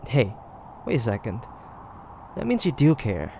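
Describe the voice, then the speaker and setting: A man playing a grumpy, flustered demon hunter who secretly cares, speaking in a halting, defensive way in a roleplay audio drama. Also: mid-range voice, huge pitch swings, vocal fry, dark tone, slight background noise, exaggerated voice. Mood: teasing, indignant.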